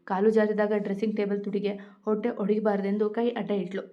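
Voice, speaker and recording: A woman storyteller narrating a romance story in a steady read-aloud way. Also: medium pitch, fairly quick. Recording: dull lo-fi audio.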